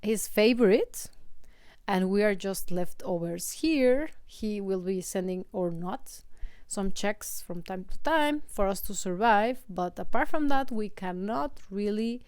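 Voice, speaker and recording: A young Mexican woman speaking English with a Mexican Spanish accent, a native Spanish speaker commenting to camera in an animated, exasperated way with many fillers and restarts. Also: medium pitch, measured pace, smooth, no room sound. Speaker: vlogger.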